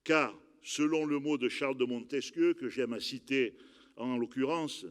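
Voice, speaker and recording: A man's voice: medium pitch, a little slow. A man speaking as the host of a formal ceremony, giving a speech and presenting awards. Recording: echoing hall, long reverb.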